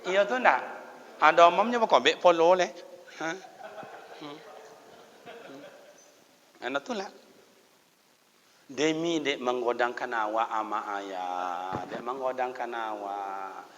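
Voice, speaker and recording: A man with a Minangkabau Malay accent preaching a sermon, telling folksy stories and moving between loud exhortation and hushed tones. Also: medium pitch, expressive, slow pace, pauses often, a little hiss or hum. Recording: dull sound, long hall reverb.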